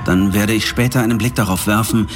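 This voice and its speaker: With music behind him, an actor plays a steady male companion and storyteller in a rather low voice. He is calm, caring and matter-of-fact in radio-play style. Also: a little fast, natural voice. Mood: inquiring. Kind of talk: German audio drama acting and narration.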